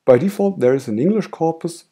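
A man with a German accent, a native German speaker, calmly explaining software steps in a screen-recorded tutorial. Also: a little high, brisk, slightly rough. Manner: calm step-by-step explaining. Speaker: tutorial host.

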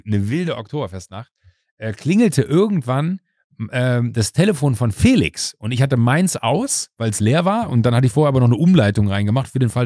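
A podcast host with a mid-range male voice tells a long anecdote in casual conversation, animatedly acting out the voices of the people in his story. The recording is studio quality, with no room sound.

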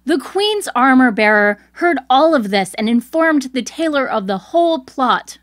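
Female storyteller, high pitch, scripted fairy tale narration, dry close sound. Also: lively intonation, a little slow, no echo.

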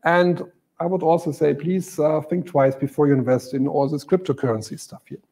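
A man's voice: fairly high pitch, fairly even intonation, normal speed, mellow. Hesitant German-accented male lecturer. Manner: hesitant, many fillers and restarts. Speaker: keynote lecturer. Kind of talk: conference keynote lecture. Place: lecture hall.

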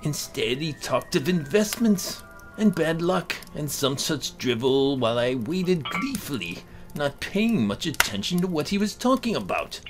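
A man's voice: fairly high pitch, sing-song, a little slow. A man giving a theatrical, emphatic dramatic reading of a horror comic story. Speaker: amateur narrator. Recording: voice over background music.

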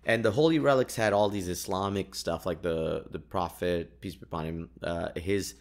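A man with a fairly low voice and Urdu as his native language hosts a solo podcast. He talks casually, telling stories with wry, joking exaggeration. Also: normal speed. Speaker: podcast host. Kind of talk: casual storytelling monologue, travel anecdotes.

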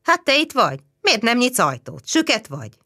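A woman's voice: on the high side, very animated, bright, forceful tone, voice pushed up, exaggerated voice. A woman voicing an anxious building concierge who urges and scolds. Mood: scolding. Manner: insistent, urgent.

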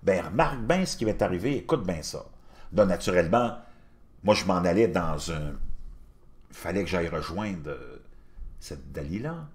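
A man in his fifties with a Québécois accent, telling a personal story in a casual, animated way and talking straight to the listener. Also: low voice, moderate pace, pauses often. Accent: Québécois French. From Quebec. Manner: animated, addresses the listener directly.

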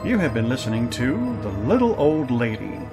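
A man's voice: mid-range voice, big pitch swings, moderate pace, over music. A man reading scripted credits as the announcer of a radio drama.

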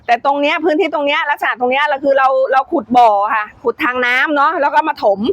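A woman who owns a grape farm, briskly and confidently explaining how she grows grapes in her greenhouse. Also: high-pitched, a bit bright, no room sound, lo-fi sound. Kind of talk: explaining in an interview.

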